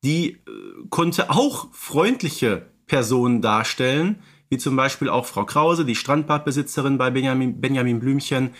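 A man's voice: medium pitch, normal speed. A man co-hosting a podcast, reeling off detailed background facts in casual chat, with many filler sounds. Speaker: podcast co-host. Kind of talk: casual fan-expert chat.

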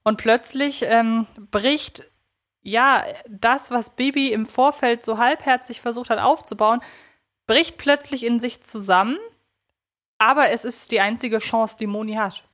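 A woman's voice: fairly high pitch, fairly even intonation, measured pace, a bit bright. A woman co-hosting a podcast, talking in a conversational, thoughtful way and often searching for her words. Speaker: podcast co-host.

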